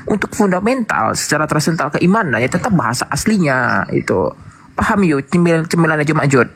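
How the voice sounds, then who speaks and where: A man's voice: on the high side, sing-song, fairly quick, a bit bright, slightly rough. A man explaining and teasing his opponent in a heated debate. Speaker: debate participant.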